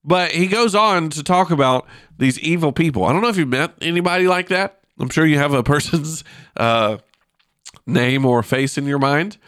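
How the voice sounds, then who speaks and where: A man's voice: fairly high pitch, moderate pace, fairly bright tone, smooth, no room sound, clean studio sound. A man speaking casually as a devotional podcast host, informal and self-deprecating, with blocked sinuses that make him sound nasal, as if pinching his nose. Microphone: close podcast microphone.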